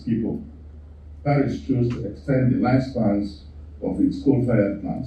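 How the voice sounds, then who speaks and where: A man's medium-pitched voice in a Nigerian accent, fairly slow, with very wide pitch swings. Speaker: guest lecturer on energy policy. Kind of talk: lecture. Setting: stage with audience. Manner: formal.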